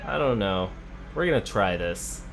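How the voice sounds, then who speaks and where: A gamer plays through a video game with casual let's play commentary, thinking out loud and talking to the characters. His voice is lowish, gravelly, and animated, and he takes his time.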